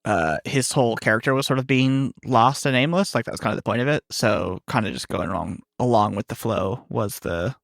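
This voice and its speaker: A man's voice: mid-range voice, brisk, vocal fry, hardly any pauses, fairly bright tone, dry recording, clean studio sound. A man co-hosting a podcast, talking in an offhand, joking way in casual chat. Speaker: podcast co-host and player.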